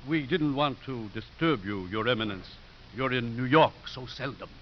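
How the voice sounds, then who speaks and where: A man's voice: medium pitch, moderate pace, lightly acted. A man playing an elderly Catholic priest, courteous and dryly humorous, in a radio drama. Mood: polite, teasing. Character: elderly, gentle, wry Catholic priest and college head. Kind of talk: 1950s radio acting. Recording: hissy, dull 1950s radio recording.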